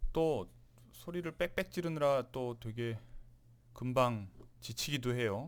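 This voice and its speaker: A man's medium-pitched voice, very slow in pace, with lively intonation. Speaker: lecturer. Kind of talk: lecture. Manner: filler-heavy.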